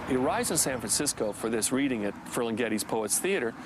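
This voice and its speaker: A man's voice: medium pitch, lively intonation, quick pace. Guy telling stories about making a film, traffic and street noise all around. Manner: conversational, anecdotal. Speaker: documentary filmmaker. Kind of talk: interview recollection.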